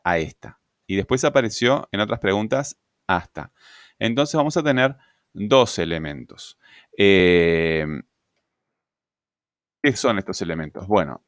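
A man's voice: lowish voice, fairly bright tone, no room sound. Man, grammar lesson, hesitant with fillers, dry close recording. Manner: halting, many fillers and tag questions. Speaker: grammar teacher.

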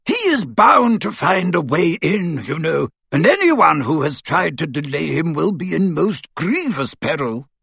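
Brief: nervous stout elderly wizard, read by a man, slow and fussing. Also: a little high, very animated, creaky, a bit bright, husky, no room sound, pitched above the performer's own voice, full character voice. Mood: flustered.

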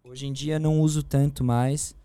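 A man's voice: mid-range voice, normal speed, clean tone, no echo. A Brazilian man, a painter, chatting casually and slangily in an interview on a studio mic. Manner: relaxed, slangy, rambling. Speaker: guest painter.

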